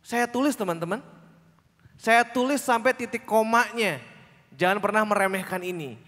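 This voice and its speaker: High-voiced man speaking in a hall. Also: moderate pace. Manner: lively, teasing, acts out little quoted lines. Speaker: workshop speaker. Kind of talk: public speaking workshop talk. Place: large conference hall. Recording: reverberant hall sound.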